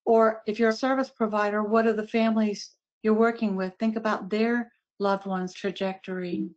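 A woman's voice: medium pitch, fairly even intonation, normal speed, a little mellow. A middle-aged woman from West Virginia, raised in Ohio, giving a friendly, conversational webinar presentation with casual asides. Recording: dull lo-fi webinar audio.

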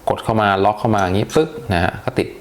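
A man's voice: fairly low pitch, very fast. A man giving a casual, chatty unboxing review, talking with hesitations and many polite particles. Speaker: tech reviewer.

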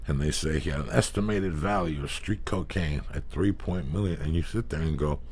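Gravelly, low-voiced man telling profane stories. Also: normal speed. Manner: profane, animated storyteller who acts out quotes. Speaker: podcast host. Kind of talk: casual storytelling chat. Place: small podcast studio. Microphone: studio mic with headphones.

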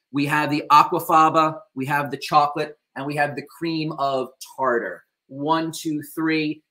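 A man's voice: on the high side, a bit bright. Enthusiastic male live stream host. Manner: enthusiastic, gushing praise, reads viewer questions. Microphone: video call webcam.

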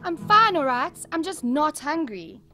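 Casting: woman as reluctant preteen boy, high voice, sulky and halting, radio drama, soft music. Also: very animated. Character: reluctant, sulky twelve-year-old boy. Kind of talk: audio drama acting.

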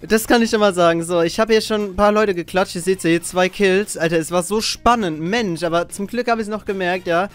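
A man's voice: high-pitched, fairly quick, few pauses, clean tone. A young man chatting casually to his viewers as a gaming YouTuber. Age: teenager to young adult. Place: small attic bedroom. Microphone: microphone on boom arm.

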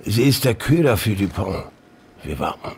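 An actor playing a gruff, cynical policeman in a German audio drama, gravelly, terse and embittered. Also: on the low side, sing-song, moderate pace, darkish tone, exaggerated voice. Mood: grim, resolute.

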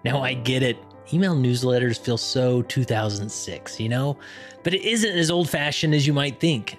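Upbeat male podcast host, chatty. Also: mid-range voice. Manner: upbeat, chatty, frequent fillers and restarts. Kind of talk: casual interview and scripted promo read.

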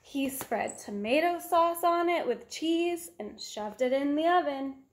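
High-voiced young woman reading slowly to kids. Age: 20s. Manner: simple, expressive, addressing young children. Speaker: read-aloud storyteller. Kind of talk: children's picture book read-aloud. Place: small room at home, indoors. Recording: roomy home recording.

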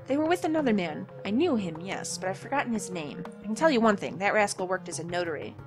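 A woman voicing a grumpy old male jeweler in a video game, talking gruffly and calling the hero "sonny". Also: mid-range voice, expressive, quick pace, over music, natural voice. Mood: grumbling. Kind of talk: reading game dialogue aloud.

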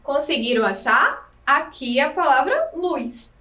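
A woman with a high, sing-song voice teaches small children, slow and clear, asking them questions as she goes. She stands a bit back from the mic in an echoey room. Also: very animated, pushed and bright, far from the mic. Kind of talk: recorded lesson for young children.

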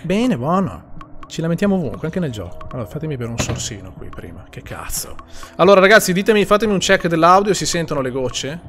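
A man's voice: a little high, big pitch swings, fast, fairly bright tone, soft background music. A young man streams a horror game, jittery and swearing as he talks to chat. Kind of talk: horror game let's play.

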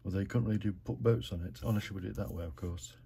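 A low, gravelly-voiced British man races through a card-making tutorial at his craft desk, relaxed and joking at his own expense as he talks each step through. There's slight background noise.

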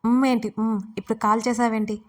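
A woman voicing an anxious, bossy young man who scolds loudly on a late-night phone call. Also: on the high side, level tone, fast, far from the mic, natural voice. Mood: irritated. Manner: loud and scolding.

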